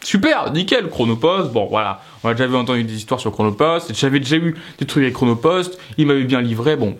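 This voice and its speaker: A man telling a personal story to his viewers in a casual, animated way, with lots of ups and downs in his voice. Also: quick pace. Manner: animated, swinging pitch, talks straight to viewers.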